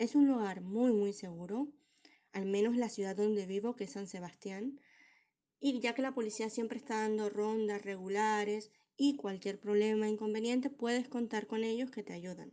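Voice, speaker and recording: Against a quiet background, a woman speaks at a moderate pace with a fairly high pitch, a dark, mellow tone and fairly even intonation. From Caribbean Colombia, Barranquilla. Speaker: podcast guest. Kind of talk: conversational interview.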